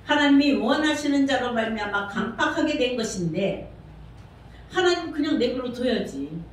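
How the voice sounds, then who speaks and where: Woman pastor, sermon, conversational questioning, higher voice, very echoey church, distant mic. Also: expressive, moderate pace, slight background noise. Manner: conversational preaching, asks the congregation questions. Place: church sanctuary.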